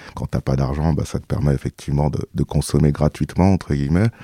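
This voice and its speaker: Dry and close with no echo, a man's very deep, low voice shows ordinary pitch variation. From Île-de-France, France. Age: 30s. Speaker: former cannabis dealer. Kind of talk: interview testimony.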